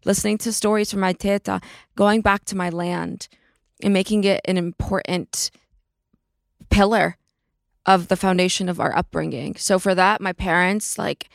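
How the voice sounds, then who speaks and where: A woman's voice: mid-range voice, fairly even intonation, normal speed, vocal fry, no room sound, clean studio sound. A woman in a casual chat, speaking in a heartfelt way and listing things with repetition.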